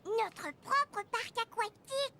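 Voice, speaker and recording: A woman voicing an excitable four-year-old boy in a cartoon dub, eager and childlike. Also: very high voice, takes it slowly, full character voice. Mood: curious, pleading. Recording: loud music behind the voice.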